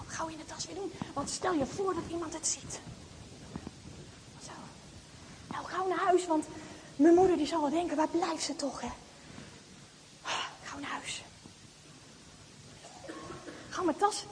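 A woman acting as a chatty little schoolgirl who longs for a doll, speaking straight to the audience in a stage monologue, in an echoey hall. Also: high-pitched. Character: little schoolgirl, wistful, tempted to take a doll. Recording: echoey hall, faint background noise.

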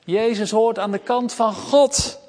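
Pastor preaching in a ringing church. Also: male voice, high voice, slow, long reverb tail. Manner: lively preaching that talks straight to the children. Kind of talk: sermon.

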